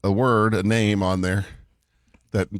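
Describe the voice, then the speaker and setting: A man co-hosting a morning radio show, bantering playfully and reading comic verse with theatrical, drawn-out delivery. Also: on the low side, flat delivery, no room sound, studio quality. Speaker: radio co-host. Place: radio studio. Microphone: studio microphone.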